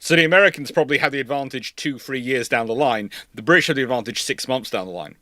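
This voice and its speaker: In studio-quality audio without echo, the male host of a naval history livestream talks quickly in a sharp, mid-range voice. His casual, analytical style is discursive, with frequent repetition and rephrasing.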